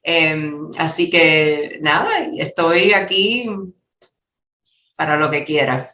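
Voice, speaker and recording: Casting: woman in her 60s, lowish bright voice, casual storytelling interview guest, roomy recording. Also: slow, slight background noise. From Miami, born in Cuba.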